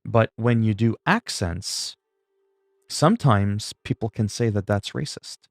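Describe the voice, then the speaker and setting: A French-speaking Canadian man chats casually on a livestream, rambling in a self-deprecating, salty way and swearing freely. His voice is fairly low and gravelly at a measured pace, captured in clean studio sound with no echo.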